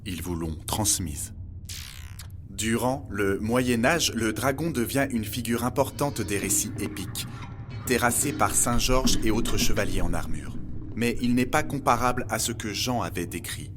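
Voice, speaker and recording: A man playing a knowledgeable guide in a scripted audio drama, explaining old human myths in a measured, didactic way. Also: on the low side, close to an everyday voice. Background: music.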